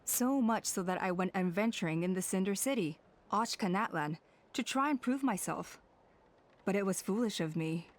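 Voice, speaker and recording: A woman playing a modest, measured tribal elder. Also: mid-range voice, expressive, natural voice. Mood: self-deprecating. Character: modest, gracious female tribal elder, former adventurer.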